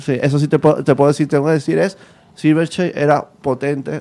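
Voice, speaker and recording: A man with a Venezuelan accent, a fairly high pitch, a dark, mellow tone and monotone, flat intonation. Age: 30s. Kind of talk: casual chat. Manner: halting.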